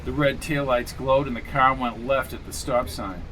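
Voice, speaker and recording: A man reading thriller narration in a steady, measured way. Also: medium pitch, a little hiss or hum. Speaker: audiobook narrator.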